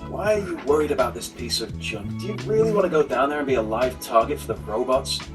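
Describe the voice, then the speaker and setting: A man's voice: medium pitch, animated, fast talker, distant mic, music in the background, close to an everyday voice. A man voicing an impatient, scheming thug in a video game, scornful and urging. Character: impatient, scheming thug bossing his dim partner.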